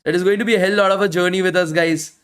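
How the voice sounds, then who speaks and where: A man's voice: high voice, fairly even intonation, rapid-fire, a bit bright. A man teaching a live online bootcamp, answering questions in casual talk and losing his voice from speaking daily. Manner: casual, repetitive, ends phrases with "guys". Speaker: bootcamp instructor.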